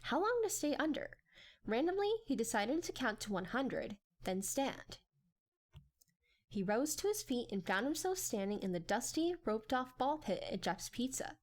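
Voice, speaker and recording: A woman's voice: fairly high pitch, sing-song, normal speed. A woman reading a story as a scripted, dramatic narration.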